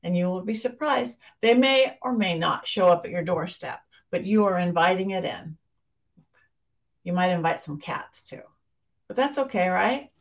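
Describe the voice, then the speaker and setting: A woman's voice: fairly low pitch, expressive, moderate pace, far from the mic. Bubbly woman host, voice set back from the mic. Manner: bubbly, enthusiastic, chatty. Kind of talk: podcast host interview and spell lesson.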